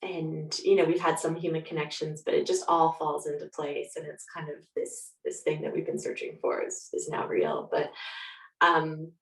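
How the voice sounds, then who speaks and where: Woman guest chatting thoughtfully, bit halting, echoey room and sitting back from the mic. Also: sits low. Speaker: podcast guest, author. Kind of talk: reflective interview conversation. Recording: roomy echo, distant from mic.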